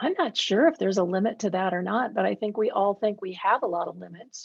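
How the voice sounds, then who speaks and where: Delivered at a very fast pace in an American accent, the voice has vocal fry and ordinary pitch variation. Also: woman, medium pitch for a woman. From US Midwest (northern Wisconsin). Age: 60s. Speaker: mindfulness coach and author. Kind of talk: interview conversation.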